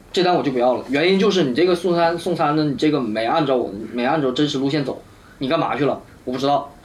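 A man's fairly high voice at a very fast pace, with audible room echo. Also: ordinary pitch variation. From Inner Mongolia, China. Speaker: party guest, human-computer interaction researcher. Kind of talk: casual group chat. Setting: live party recording with group. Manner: animated.

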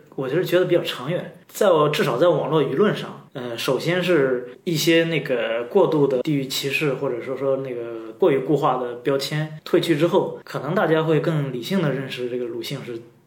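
A man's fairly high voice with ordinary pitch variation, amid noticeable background noise and audible room echo. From Liangshan, southwestern Shandong (China). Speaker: science fiction writer. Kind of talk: casual chat.

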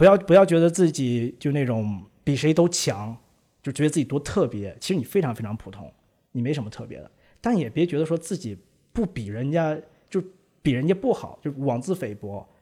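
A man talks at a fairly quick pace in a fairly high voice, with very wide pitch swings and big swings in loudness. The recording is very clean, with a silent background. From Shandong, raised in Northeast China. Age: 30s. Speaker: English teacher and blogger. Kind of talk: casual chat.

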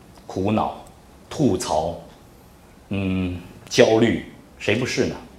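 A man's voice with a very deep, low pitch comes through with audible room echo. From Yunnan, China (Kunming). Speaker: TV news host giving a public talk. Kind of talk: public talk. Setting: stage with audience.

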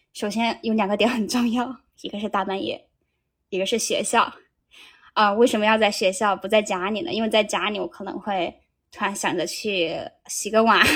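A woman's fairly high voice with a slight Guizhou accent, moderate in pace, with ordinary pitch variation, in a very clean recording with a silent background. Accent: slight Guizhou accent in Mandarin. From Guizhou, China. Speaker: recent PhD graduate in psychology. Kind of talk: casual chat. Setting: recorded at a friend's home.

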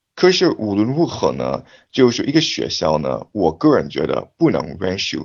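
A man talks at a fairly slow pace. He hardly pauses at all. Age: 40s. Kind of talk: personal reflection monologue. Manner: halting with many filler sounds.

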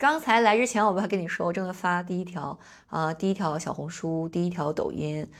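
A woman with a plain, everyday voice talks at a fairly quick pace in a fairly low pitch with ordinary pitch variation, on a very clean recording with a silent background. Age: middle-aged. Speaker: art dealer. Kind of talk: casual interview chat.

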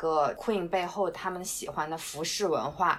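With an unremarkable speaking voice, a woman talks at a medium pitch and moderate pace, her pitch varying in an ordinary way. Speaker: podcast social media manager, graduate student. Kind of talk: casual interview.

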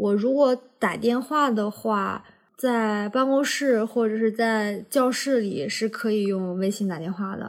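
A woman's fairly high voice at a fairly slow pace, with ordinary pitch variation, an ordinary speaking voice, on a very clean recording with a silent background. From coastal small city, China. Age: 20s. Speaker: volunteer rural teacher. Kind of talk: interview, personal story.

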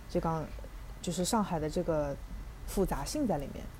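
A woman at a moderate pace. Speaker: podcast host. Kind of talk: casual chat.

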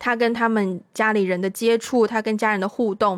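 In a very clean recording with a silent background, a woman with a plain, everyday voice talks at a fairly quick pace, her fairly high pitch showing ordinary variation. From Lanzhou, northwest China. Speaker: podcast co-host. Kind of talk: casual chat.

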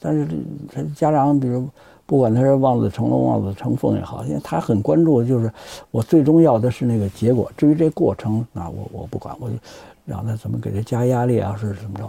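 Somewhat breathy, a man's medium-pitched voice has a dark, mellow tone and lively intonation at a fairly quick pace. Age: 70s. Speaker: aviation model teacher. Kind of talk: interview.

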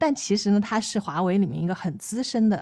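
With an unremarkable speaking voice at medium pitch, a woman uses lively intonation in a very clean recording with a silent background. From Guangdong, China. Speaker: electric vehicle commentator and author. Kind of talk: casual chat.

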